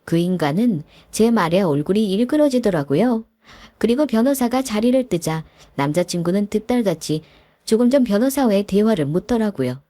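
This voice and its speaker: A woman's voice: medium pitch, lively intonation, moderate pace, warm tone, no room sound, studio quality. A woman narrating a dramatic first-person story in a firm, indignant tone.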